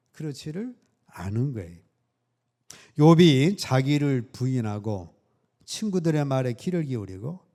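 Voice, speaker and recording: Male pastor, middle-aged, mellow dark tone, sermon delivery that jumps from booming stress to hushed asides. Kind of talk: Sunday morning sermon.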